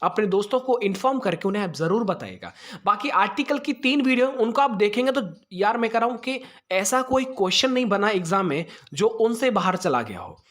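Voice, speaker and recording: A male English teacher with an Indian accent, leading a lesson for exam students. His voice is bright and forward. He reads quiz lines slowly and carefully, then breaks them down in quick Hindi. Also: sits high, sing-song.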